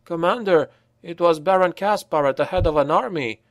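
A man's voice: a little high, moderate pace, no room sound, pitched above the performer's own voice, close to an everyday voice. A man voicing an eager young male cavalry corporal giving a formal report. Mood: urgent.

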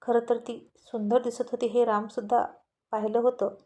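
A woman storyteller narrating a romance tale in a steady, expressive way. Her voice sits fairly high and sounds mellow and warm rather than bright. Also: moderate pace.

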